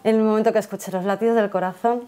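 A woman's voice: medium pitch, steady tone, very fast, warm tone, clear, resonant tone. Earnest Spanish woman recounting a birth. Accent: Spain. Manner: earnest, reflective, many fillers. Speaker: interviewee, mother. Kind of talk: personal testimony.

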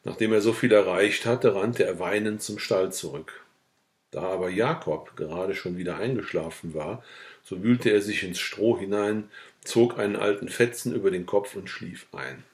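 A man reading a classic novel aloud as an audiobook, in calm, even narration. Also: sits low, normal speed. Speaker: audiobook reader.

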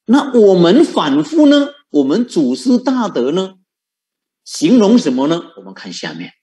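Male monk, fairly high and very lively voice, giving a Buddhist dharma talk full of rhetorical questions and chuckles. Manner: animated, rhetorical questions, frequent chuckles and drawn-out particles.

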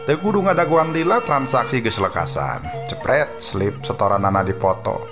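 A man's voice: mid-range voice, lively intonation, moderate pace, over music. A man with a Sundanese accent narrating a scripted story dramatically as a radio storyteller.

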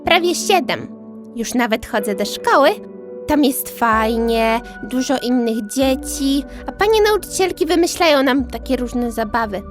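A woman's voice: high-pitched, expressive, a little slow, over music. A woman playing a talkative, candid girl of almost seven in an audio drama, with a childlike manner. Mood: chatty, proud. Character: chatty, frank little girl, almost seven.

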